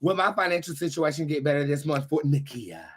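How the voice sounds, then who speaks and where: A man's voice: a little high, a little fast, breathy edge. A man giving casual live-streamed tarot readings as the host, talking in an emphatic, slangy and encouraging way.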